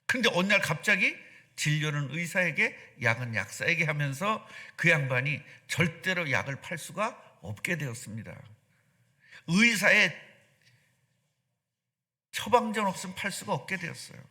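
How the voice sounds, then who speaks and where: Middle-aged male pastor, sermon, bright forceful tone, quizzes the pews. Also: fairly high pitch, moderate pace. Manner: animated, asks the congregation questions. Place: church sanctuary.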